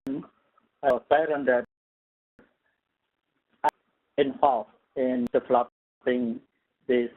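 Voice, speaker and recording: Tinny-sounding Indonesian man lecturing haltingly. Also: medium pitch. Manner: halting, non-native English phrasing. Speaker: guest lecturer, professor and government official. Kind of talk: formal academic lecture. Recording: tinny phone-like audio.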